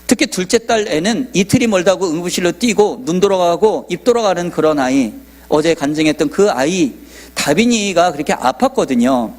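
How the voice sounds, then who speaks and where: A man's voice: high-pitched, lively intonation, a little fast, darkish tone. A man in his forties, a pastor telling a personal testimony in a sermon and acting out dialogue. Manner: storytelling, acting out quoted dialogue.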